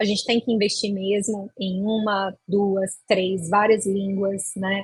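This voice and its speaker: In a strong Minas Gerais accent, a woman speaks fairly slowly in a medium pitch, somewhat breathy and with monotone, flat intonation, the sound dry and close with no echo. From Brazil, Minas Gerais. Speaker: career specialist. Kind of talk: live webinar talk. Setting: live stream.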